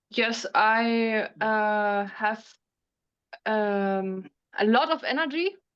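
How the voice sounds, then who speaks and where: A woman with a non-native accent and a fairly high pitch talks at a very slow pace, with long, frequent pauses. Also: ordinary pitch variation. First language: not English. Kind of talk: casual chat. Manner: halting, searching for words.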